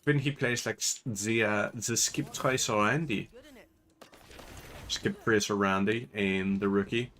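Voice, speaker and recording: A man's voice: on the low side, steady tone, a little slow, fairly bright tone. An Irish man giving casual, rambling commentary while playing a game, with lots of fillers. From Ireland. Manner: rambling, chatty, many fillers. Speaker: gaming channel host.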